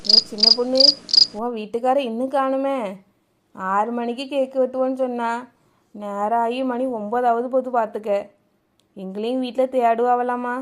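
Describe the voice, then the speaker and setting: A woman's voice: on the high side, fairly even intonation, normal speed, long pauses, fairly bright tone, a little hiss or hum, lightly acted. A woman playing an impatient village woman who keeps nagging to get things moving. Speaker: neighbour Vasanthi. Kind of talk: village family drama acting.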